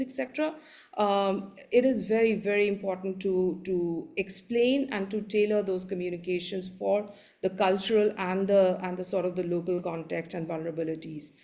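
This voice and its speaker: A native Hindi speaker with an Indian accent, a woman on a panel, gives an explanatory slide presentation at a conference, speaking haltingly and often repeating words. Her voice is mid-range with a dark tone.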